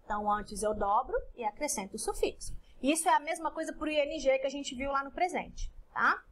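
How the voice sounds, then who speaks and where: High-voiced Brazilian woman teaching English. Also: a little fast, a bit bright. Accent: Brazilian Portuguese. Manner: didactic, checks in with frequent "tá?". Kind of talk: recorded lesson explaining grammar.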